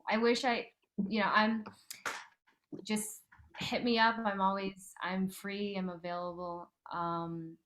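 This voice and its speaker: A woman's voice: fairly low pitch, a bit bright. Woman guest chatting on a call. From New York City via the Philippines. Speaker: interview guest. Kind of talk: casual chat. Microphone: video call.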